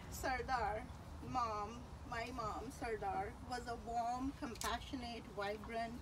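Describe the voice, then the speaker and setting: Halting, tender high-voiced woman giving a eulogy. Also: noisy background. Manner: faltering, halting delivery in short phrases. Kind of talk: personal eulogy speech.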